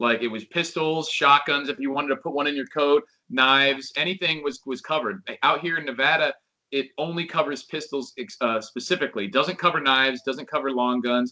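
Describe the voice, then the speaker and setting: A man with an American accent and a plain, everyday voice talks at a fairly quick pace and fairly high pitch, with ordinary pitch variation. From Florida. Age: 30s. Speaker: survival youtuber. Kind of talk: casual interview chat.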